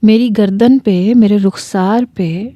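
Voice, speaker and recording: A woman storyteller reading a first-person romance story in a measured, unhurried, intimate way. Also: mid-range voice, dark tone, dry recording.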